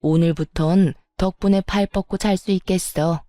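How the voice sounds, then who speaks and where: A woman's voice: lowish voice, steady tone, normal speed, warm tone, dry recording, close to an everyday voice. A woman voicing a scheming, spiteful older mother-in-law who sneers and plays the victim in a storytelling audio drama. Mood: gloating. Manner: sneering, then falsely pitiful.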